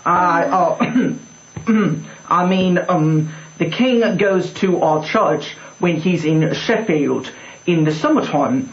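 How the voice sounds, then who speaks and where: An actor playing a nervous country boy bluffing as a valet in an old radio drama, halting, stammering and evasive. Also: high-pitched. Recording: muffled, roomy, hissy old radio recording.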